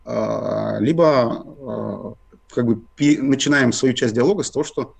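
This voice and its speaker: A man's voice: mid-range voice, unhurried, creaky, husky. A young adult man, a guest in an interview, explaining communication techniques step by step with frequent hesitations and fillers. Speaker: guest expert.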